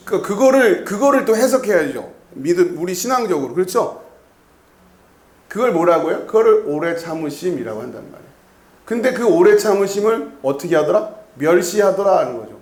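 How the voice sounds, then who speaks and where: In an echoey church sanctuary, a man with a high voice delivers an expository sermon conversationally. He poses frequent questions to the congregation and repeats key words.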